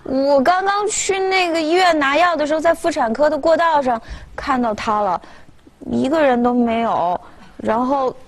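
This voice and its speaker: A woman playing an anxious, high-voiced young nurse. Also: moderate pace, natural voice. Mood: explaining. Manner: anxious, pleading. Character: soft-hearted young nurse fussing over a baby. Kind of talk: sitcom acting.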